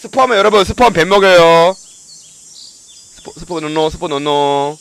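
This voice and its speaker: A man streaming a video game live, commenting in an excitable, jokey way, often yelling and swearing. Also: a little high, moderate pace, clean tone.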